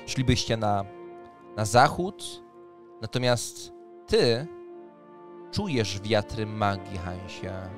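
A man, narrating a tabletop fantasy game as game master on a close microphone. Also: fairly low pitch. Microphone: close microphone on an arm, headset.

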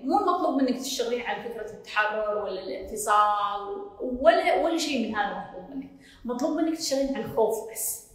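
A quick-talking woman with a Gulf Arabic accent answers questions as a self-development coach, sitting a little high in pitch. She sounds emphatic and reassuring and circles back to repeat her points. Her voice rings with heavy, long reverb, as if in a big echoing hall. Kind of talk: casual Q&A talk.

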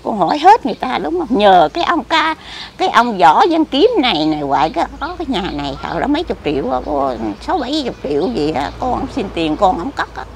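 A woman's voice: fairly high pitch, sing-song, a little fast, vocal fry, hardly any pauses, a little hiss or hum. An older woman, frail, chatting in a rambling, repetitive way as she is interviewed outdoors. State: frail, weak. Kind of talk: casual chat. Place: outdoors near a cemetery.

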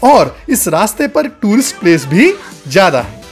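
Lively-voiced male travel narrator. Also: high-pitched, moderate pace. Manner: addresses viewers as friends, guide-like. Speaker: travel vlogger. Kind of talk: scripted travel voice-over. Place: voice-over, not recorded on location. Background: faint background music.

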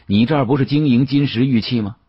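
Audiobook role: a man as a smirking, insolent young challenger, very raspy, lively pitch, slightly muffled recording. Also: fast talker, no room sound, lightly acted. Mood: smugly challenging. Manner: flippant, insolent drawl. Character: cocky, sneering young male student with a slangy taunt.

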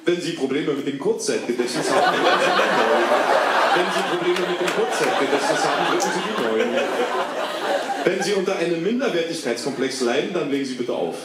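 A man reading out a deadpan parody hotline message as an answering machine recording, in a formal announcer manner. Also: on the high side, brisk, a loud crowd. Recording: echoey, distant, noisy recording.

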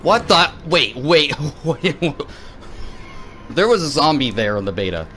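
A man giving let's play commentary, excitable and rambling, swearing and yelling at enemies between many fillers. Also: a little high, measured pace, slight background noise. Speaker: gaming video host.

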